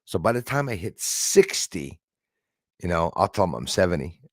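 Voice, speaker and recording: Rambling man in his sixties, low voice. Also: very animated, normal speed, dry recording, clean studio sound. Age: 60s. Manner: rambling, chatty, thanks viewers by name. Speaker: live stream host. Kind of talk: casual live-stream chat with viewers.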